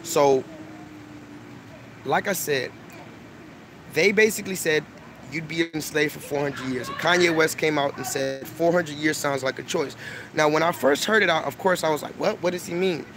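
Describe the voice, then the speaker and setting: A man's voice: on the high side, moderate pace. A young man lecturing emphatically to his online audience on a phone, repeating his points. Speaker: online video host. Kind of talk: preachy casual monologue. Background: street noise, crying children.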